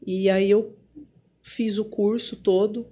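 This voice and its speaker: A woman with a Brazilian Portuguese accent, a psychologist speaking as a podcast guest and telling her story in a casual, lively way, acting out remembered conversations. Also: medium pitch, takes it slowly. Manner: lively storyteller who acts out remembered dialogue. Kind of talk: casual spoken testimony.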